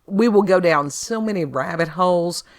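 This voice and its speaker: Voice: mid-range voice, normal speed, dry recording. Rambling podcast co-host, dry close sound. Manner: rambling, changes direction mid-sentence. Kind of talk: casual conversational chat.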